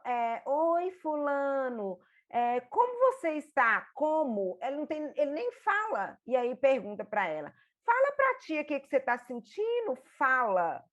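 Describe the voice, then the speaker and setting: A woman with a Brazilian Portuguese accent, a therapist and mother, giving an informal, animated teaching talk. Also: medium pitch. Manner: animated, acts out examples in a lively voice. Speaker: therapist and mother of an autistic child.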